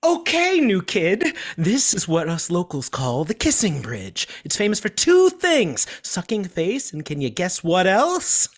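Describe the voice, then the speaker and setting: A woman playing a cruel, violent teenage boy bully in a script read, loud, taunting and aggressive. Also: lowish voice, huge pitch swings, measured pace, few pauses, exaggerated voice. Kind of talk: dramatic script table read.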